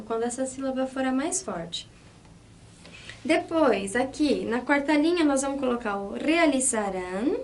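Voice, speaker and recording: High-voiced Brazilian woman teaching Spanish. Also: slight background noise. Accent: Brazilian Portuguese. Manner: explains step by step, counts syllables aloud, checks in with "tá?". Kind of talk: online language lesson.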